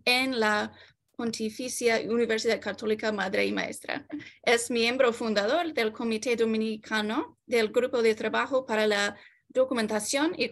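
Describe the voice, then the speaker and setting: Halting woman with an English-speaker's Spanish accent. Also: on the high side. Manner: halting, stumbles over long words. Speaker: board member introducing a speaker. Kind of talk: reading a formal introduction. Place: indoors on a video call.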